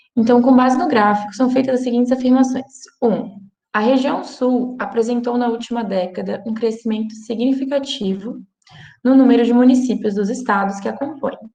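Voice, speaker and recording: In a room with audible echo, a woman speaks at a high pitch in a dark, mellow tone, keeping a moderate pace and fairly even intonation. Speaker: geography teacher. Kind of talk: online lecture.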